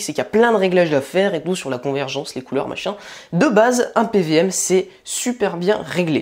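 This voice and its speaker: A woman's voice: fairly low pitch, darkish tone. A woman hosting a casual tech unboxing vlog, rambling and chatty with many fillers and restarts, recorded indoors on a wireless mic. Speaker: tech video host.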